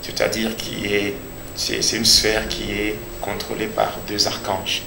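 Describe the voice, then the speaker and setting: A man with a Congolese accent giving a personal religious testimony as a pastor, speaking deliberately and repeating phrases for emphasis. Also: on the low side, completely flat delivery. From Democratic Republic of the Congo. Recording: echoey room with clear background noise.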